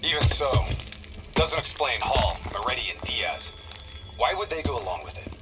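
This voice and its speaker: A man's voice: mid-range voice, expressive, normal speed, loud music behind the voice, close to an everyday voice, rough recording. An actor playing a blunt, short-tempered male special-ops soldier in a video game, curt and profane with sarcastic asides. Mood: grim. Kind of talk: video game cutscene acting.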